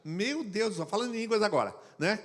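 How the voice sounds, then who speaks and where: A male pastor preaches in a church auditorium, his slightly high voice carrying a long hall reverb. He tells stories with animated energy, slipping into the voices of the people he quotes. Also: fairly quick. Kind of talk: sermon.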